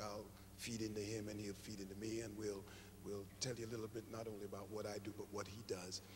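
A man's fairly low voice at a fairly quick pace, over noticeable background noise. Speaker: preacher teaching ministers. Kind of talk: lecture. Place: church. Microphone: handheld.

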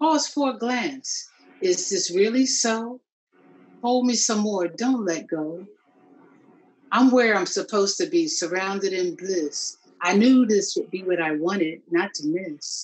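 Her pitch swings very widely as a woman speaks at a fairly slow pace. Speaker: poet and jazz musician. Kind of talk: poetry reading. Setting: video call. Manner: intimate, sensual, slow and tender in the poem. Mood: smooth, romantic, relaxed. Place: home room. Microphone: video call.

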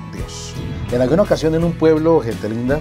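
Clear music plays in the background as a man speaks at a very fast pace. His fairly high voice moves in very wide pitch swings. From Medellín, Colombia. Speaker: radio announcer. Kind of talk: storytelling an anecdote to an audience. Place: studio. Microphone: lapel.

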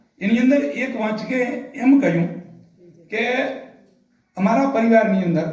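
Through audible room echo, a man speaks at a high pitch with lively intonation. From Kutch, Gujarat. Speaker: novelist and retired businessman. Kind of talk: award acceptance speech.

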